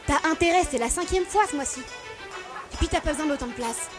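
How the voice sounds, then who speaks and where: A woman playing a no-nonsense tavern barmaid in an audio drama, brisk and matter-of-fact. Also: sits high, music in the background, lightly acted. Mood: firm, brisk. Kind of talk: French audio drama acting.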